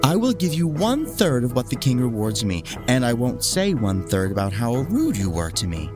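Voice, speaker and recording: A man's voice: mid-range voice, very animated, brisk, music in the background, lightly acted. A man voicing a kind, earnest, dreamy noble lady in a storybook tale, with a gracious manner. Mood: earnest pleading.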